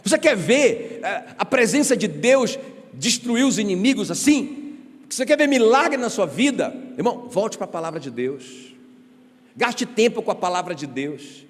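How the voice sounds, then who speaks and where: A male pastor preaching a sermon in an animated, conversational way, full of rhetorical questions and joking asides, in a church sanctuary. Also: sits high, a little slow. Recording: reverberant church hall.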